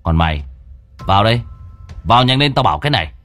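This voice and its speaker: A man's voice: lowish voice, big pitch swings, quick pace, a bit bright, soft background music. A man voicing a fearless young exorcist who barks orders and interrogates spirits. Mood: stern command. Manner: harsh, commanding, interrogating. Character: stern young male exorcist, commanding, fearless.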